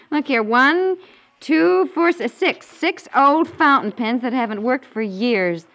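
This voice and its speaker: An actress playing a practical, fondly nagging housewife in a chatty 1950s radio domestic comedy. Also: female voice, high-pitched, expressive, slow, a bit bright, heavily acted. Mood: amused exasperation. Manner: chiding, conversational, chuckling exasperation. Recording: dull lo-fi 1950s radio recording.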